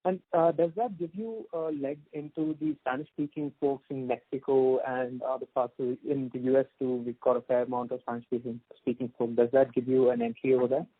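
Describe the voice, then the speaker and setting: A man asking halting, long-winded questions as an analyst on an earnings call. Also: medium pitch, steady tone, slightly rough, no room sound. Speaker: analyst caller. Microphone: telephone. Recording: tinny, dry phone line.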